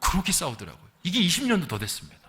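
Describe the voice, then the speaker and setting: Talking very fast, a middle-aged pastor from the Gyeongsang region of South Korea preaches in a fairly high voice with huge pitch swings and a fairly bright tone. His sermon mixes storytelling, rhetorical questions, and acted-out quotes. The recording echoes with the long reverb of a large church hall.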